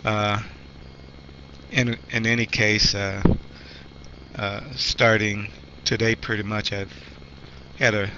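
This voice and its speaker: Slow gravelly man leading a Bible study. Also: lowish voice, level tone. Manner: slow, halting, with frequent throat clearing and fillers. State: coming down with a cold. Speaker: pastor. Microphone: handheld microphone. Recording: muffled lo-fi recording with faint noise.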